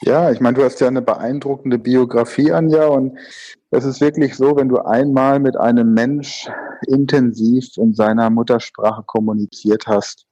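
A man whose first language is German, talking fluently and at ease as an expert guest. His voice sits at a middle pitch and sounds dry and close. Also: moderate pace, slightly rough, no echo, lo-fi sound. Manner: fluent, explanatory, relaxed. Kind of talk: conversational interview.

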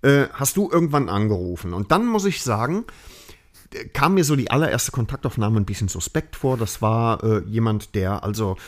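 A man's voice: lowish voice, expressive, normal speed. Rambling male podcast host telling a story. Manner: rambling, many fillers and tag questions. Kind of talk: casual storytelling chat.

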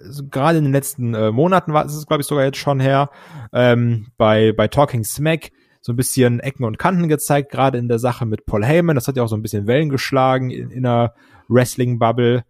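A man's voice: medium pitch, brisk, darkish tone, no room sound, clean studio sound. A man co-hosting a casual wrestling podcast, talking hesitantly with many fillers. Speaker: podcast co-host.

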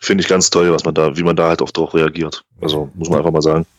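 A man co-hosting a casual fan podcast, talking thoughtfully and haltingly with repeated words. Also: extremely low pitch, flat delivery, no room sound. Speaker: podcast co-host. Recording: dry, slightly dull sound.

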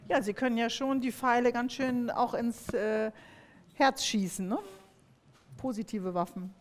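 A middle-aged woman hosting an interview, softly reacting and asking questions. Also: fairly high pitch, steady tone, a little slow. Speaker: host. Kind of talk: casual interview.

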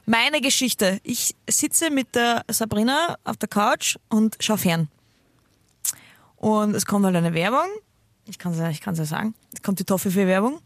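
A woman, co-hosting a casual chat and telling an animated, teasing story. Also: medium pitch, unhurried, no echo, studio quality.

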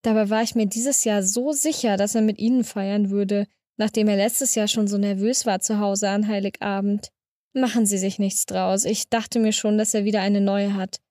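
A woman voicing a betrayed wife in a read short story, raising her voice higher than her narration. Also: steady tone, normal speed, no room sound, studio quality, natural voice. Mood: coolly polite. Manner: shouting, then cool and polite. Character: angry betrayed wife, middle-aged woman. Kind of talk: audiobook reading.

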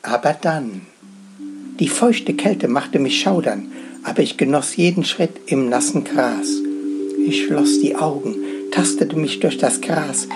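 A man narrating his own story as a guest storyteller, in a gentle, expressive telling. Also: a little high. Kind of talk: first-person story narration.

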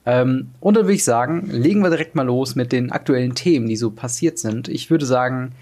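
Young guy cohosting a game podcast, lots of ums, average pitch, kinda halting. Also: a little mellow. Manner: hesitant, many fillers. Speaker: podcast co-host. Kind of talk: casual podcast chat.

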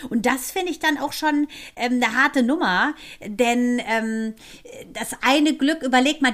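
A woman co-hosting a casual chat, talking fast and emphatically in colloquial speech, with indignant outbursts. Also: high-pitched, a bit bright. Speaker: podcast co-host. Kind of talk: casual conversation.

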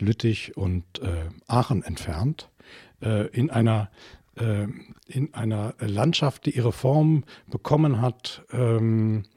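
Older male guest, halting and hesitant, lowish voice. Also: dark tone, breathy edge, no room sound, studio quality. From Eifel, Germany. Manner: hesitant, many ums and restarts. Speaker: interview guest. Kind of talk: conversational interview answers.

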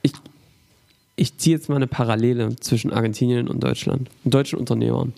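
Podcast host guy, heavy fry in the voice, lots of ähs, sums things up. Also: mid-range voice, steady tone, fairly quick, mellow. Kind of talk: conversational interview.

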